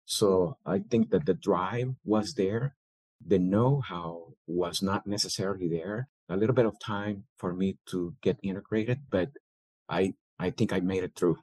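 Low-voiced man, dry close mic. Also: unhurried, a little mellow, no echo, rough recording. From El Salvador. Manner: thoughtful, with many fillers and restarts. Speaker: guest, business owner. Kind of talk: interview answers.

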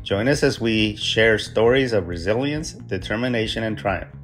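A man hosting an interview podcast, reading a formal scripted intro and then asking questions in a measured way. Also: on the low side, lively intonation, soft background music. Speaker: podcast host.

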